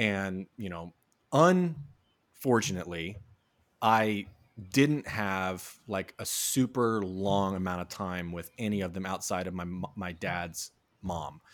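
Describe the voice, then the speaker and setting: This man's pitch is very deep and low. He talks very slowly. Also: ordinary pitch variation. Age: 30s. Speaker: podcast co-host. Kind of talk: casual chat. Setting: video call.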